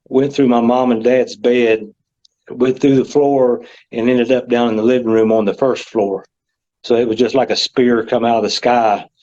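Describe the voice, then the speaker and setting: A man with an Appalachian accent at medium pitch, monotone and flat in intonation, with very even loudness and a moderate pace. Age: 60s. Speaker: tornado survivor. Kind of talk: interview testimony. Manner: halting.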